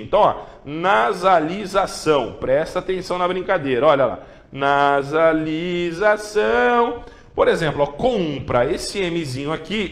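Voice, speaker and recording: Male tv teacher, high bright voice, playful and coaxing, lots of "ok?" check-ins. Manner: playful, coaxing, with pet names for students; repeats checks like "ok?" and "beleza?". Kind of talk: televised exam-prep lesson.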